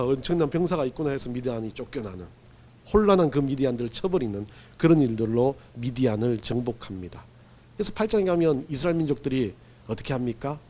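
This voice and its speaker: A man preaching a sermon as pastor, telling stories in an animated, humorous way and acting out quotes. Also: mid-range voice. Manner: animated storytelling with acted-out quotes; humorous, laughs while preaching.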